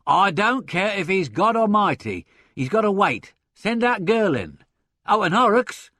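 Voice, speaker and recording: A man's voice: on the high side, unhurried, dry recording, studio quality, voice pushed up, full character voice. Man acting a bellowing, blustering stout theatrical agent. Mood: blustering, impatient. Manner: bellowing, excitable, brusque.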